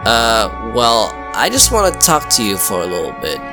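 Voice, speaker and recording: A man playing a deadpan, awkward, blunt teenage boy who is oddly eager in love. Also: lowish voice, moderate pace, music in the background, pitched below the performer's own voice. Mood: awkward, casual.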